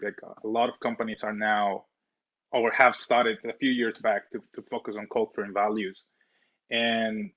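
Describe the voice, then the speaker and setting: A man's voice: fairly low pitch, breathy edge, muffled recording. A man from El Salvador talking casually as a webinar co-host, often repeating his words.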